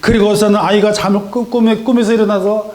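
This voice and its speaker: A middle-aged man with a fairly high voice preaches to his congregation. He tells a story by acting out its characters' lines in different voices, then turns it into his sermon. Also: flat delivery, quick pace, darkish tone. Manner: storytelling with acted dialogue voices. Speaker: pastor. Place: church sanctuary.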